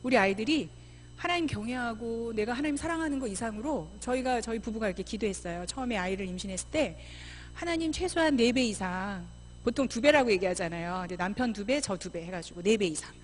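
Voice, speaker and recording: A middle-aged woman missionary giving a church seminar talk, lively, often acting out mothers and children in quoted voices. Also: fairly high pitch, quick pace, slight background noise. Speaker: missionary speaker. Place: church sanctuary.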